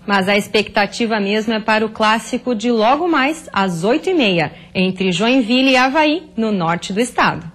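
Female anchor, thirties, somewhat high voice, clean studio sound. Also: expressive, normal speed, few pauses, a little hiss or hum. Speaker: news anchor. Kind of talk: studio news presenting. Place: tv news studio.

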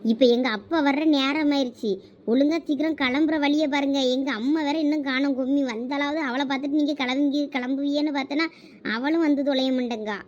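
In a village comedy skit, a young adult woman with a Thoothukudi Tamil accent plays a college girl afraid of her father, worriedly scolding a friend. Her voice sits high with fairly even intonation and a fairly quick pace, the acting is light, and the recording's highs are cut off.

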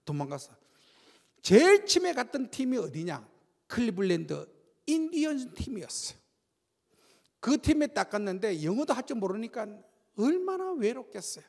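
An older man giving a lively sermon testimony in a church, telling stories with shouts and sound effects. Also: very high-pitched, normal speed, gravelly, pauses often. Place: church sanctuary. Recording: long church-hall reverb.

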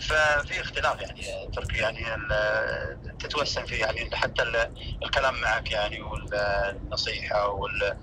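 A man, a former teacher on a phone call, speaking slowly and measured with many hesitations. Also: fairly low pitch, noisy background. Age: 50s.

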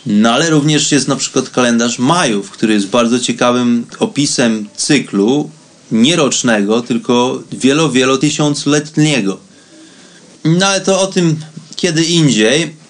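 A man's voice: medium pitch, a little slow. Reflective man hosting a spirituality show. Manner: conversational, addresses the listener directly. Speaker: host of a spirituality radio show. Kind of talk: reflective solo monologue to listeners.

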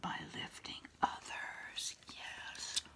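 A middle-aged woman whispering a quiet ASMR roleplay close to the mic, in a breathy, murmuring voice with pauses and soft hums. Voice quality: breathy, mostly unvoiced whisper. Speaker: ASMR host playing a therapist. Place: small candlelit indoor room.

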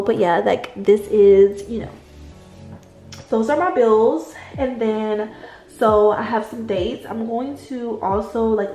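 A woman's voice: mid-range voice, a little mellow, roomy sound. A woman with a stuffy, congested voice chatting casually to her viewers as she fills in a budget planner, calling them y'all. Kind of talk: casual chat while writing in a planner. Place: indoors at a desk at home, late at night.

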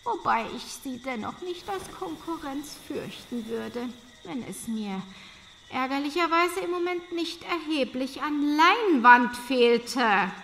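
Haughty countess, high bright voice, gushing and affected, audio drama, echoing hall. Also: female voice, lively intonation, slow, gravelly, heavily acted. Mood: haughty disdain. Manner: affected, effusive, with tinkling social laughs. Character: vain, gushing aristocratic countess and painter, disdainful of rivals. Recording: long reverb, faint noisy ambience.

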